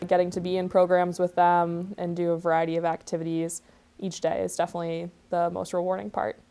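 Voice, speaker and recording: A woman's voice: lowish voice, completely flat delivery, brisk, mellow, faint music behind. A woman in her twenties, a recreation specialist, answering interview questions earnestly with many "you know" fillers. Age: 20s.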